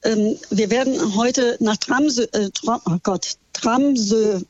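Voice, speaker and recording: A woman's voice: on the high side, slow pace, darkish tone, no room sound. A woman tour guide from Germany, calling in from a ship and talking in a friendly way with many fillers. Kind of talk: phone interview. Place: on a ship at sea. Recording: dull phone line.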